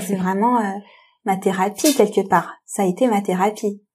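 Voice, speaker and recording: Ordinary pitch variation in a normal speaking voice, moving at a moderate pace. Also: woman. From France, Tamil heritage. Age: 30s. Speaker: psychologist and PhD student. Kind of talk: interview conversation. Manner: casual, with many fillers.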